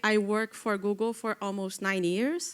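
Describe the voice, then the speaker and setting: A woman with a medium pitch speaks at a very slow pace, recorded very cleanly against a silent background. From Brazil. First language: Portuguese (speaking French). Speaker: tech company employee, speaker. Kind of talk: conference presentation.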